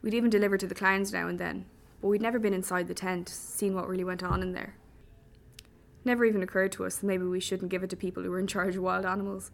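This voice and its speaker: A woman voicing a cheeky young Irish man who talks in a lively, teasing, slangy way. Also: medium pitch, fast talker, gravelly, natural voice. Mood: breezy.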